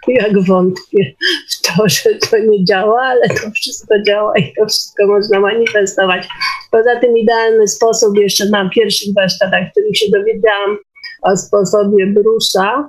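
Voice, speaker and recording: A woman of medium pitch speaks casually on an online call. She tells personal stories in a direct, conversational manner, as a participant talking to the group. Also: slightly rough, low-quality recording. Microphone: online call microphone.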